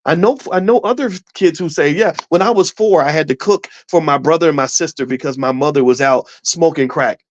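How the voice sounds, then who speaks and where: A man's voice: a little high, brisk, few pauses, lo-fi sound. A man giving impassioned commentary in a preachy, emphatic way, putting questions to his listeners.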